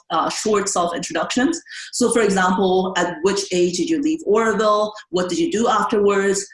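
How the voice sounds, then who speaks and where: A young woman hosts a relaxed podcast chat with old friends. She reads her introductions a little formally but keeps them friendly. Her voice sounds roomy, with noticeable echo from the space around her. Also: lowish voice. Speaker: podcast host.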